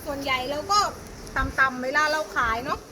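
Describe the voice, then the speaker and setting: A woman doing a hype live-seller sales pitch, excitedly repeating prices and phrases as the shop owner. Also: a little fast. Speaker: shop owner selling clothing bales in a review video. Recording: very noisy, vehicle-like background ambience. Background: loud ambient noise.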